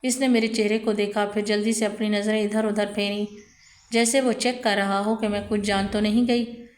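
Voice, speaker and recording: A woman telling a scripted first-person story in an even, steady reading. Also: medium pitch.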